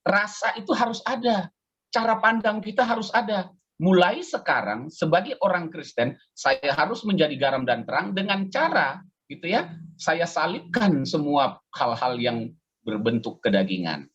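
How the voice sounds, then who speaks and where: A man in his fifties delivers a conversational sermon, pausing often to ask his listeners to respond. His voice is slightly husky. The sound is dull and lo-fi, the way audio comes through an online meeting. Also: high voice, expressive, fairly bright tone. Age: 50s. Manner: conversational, chatty preaching with audience call-and-response. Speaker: pastor.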